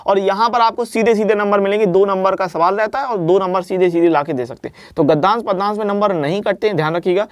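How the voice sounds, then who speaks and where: A man's voice: high voice, quick pace, few pauses, no echo, studio quality. A man teaching an exam-prep lesson, explaining answers step by step and often checking in with the listener. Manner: explanatory, repeats "ठीक है ना" often.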